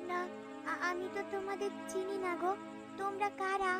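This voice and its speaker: Woman voicing a very high-pitched sad little girl. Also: completely flat delivery, normal speed. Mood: earnest, sorrowful. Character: young shipwrecked village girl, sad and earnest. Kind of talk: Bengali cartoon story dialogue. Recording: music playing behind the voice.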